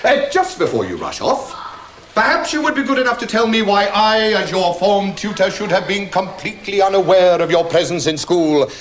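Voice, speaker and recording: An actor playing a pompous, sarcastic, theatrically weary form tutor in a British television drama, speaking in elaborately wordy sentences. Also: male voice, high voice, animated, moderate pace, a bit bright, slight background noise. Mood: withering sarcasm. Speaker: actor in a school drama series.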